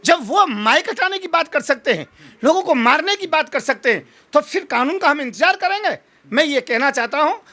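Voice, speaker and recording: A man's voice: very high voice, sharp tone. A man giving an impassioned political interview, speaking in combative, emphatic oratory full of rhetorical challenges.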